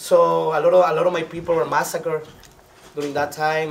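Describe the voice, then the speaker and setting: A man speaks at a moderate pace in a room with audible echo. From South America. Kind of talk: rally speech. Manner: halting, with many fillers.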